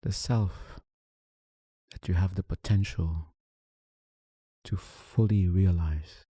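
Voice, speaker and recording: A man leading a guided meditation, giving soothing, unhurried instructions with long pauses between phrases. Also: low voice, warm tone, breathy edge, no room sound, clean studio sound. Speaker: meditation teacher.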